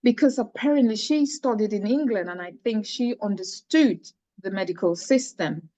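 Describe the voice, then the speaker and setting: A middle-aged woman speaks in a mid-pitched voice, recounting her life story earnestly with frequent restarts. The sound is dry and close, with no room echo. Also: moderate pace, mellow. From Cameroon. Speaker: charity founder, guest. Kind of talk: personal story in interview.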